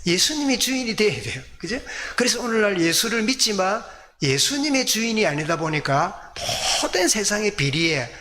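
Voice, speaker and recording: A man's voice: high voice, big pitch swings, moderate pace, pushed and bright, a little hiss or hum. A man from South Korea preaches as a pastor, teaching by putting questions to the congregation and answering them himself. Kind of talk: sermon with rhetorical questions to the congregation. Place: church service.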